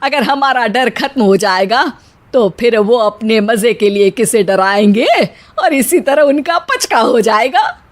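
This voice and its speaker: A woman's voice: a little high, animated, a little slow. A woman voicing a bossy, easily frightened middle-aged mother-in-law in a cartoon story, scolding as she talks.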